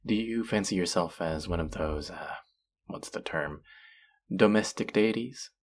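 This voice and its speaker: Deep gravelly teasing faerie man, voiced by an actor. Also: measured pace. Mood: mocking, amused. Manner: sardonic, teasing, drawling with sighs. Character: teasing, bratty, flirtatious male faerie lover. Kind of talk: scripted audio roleplay.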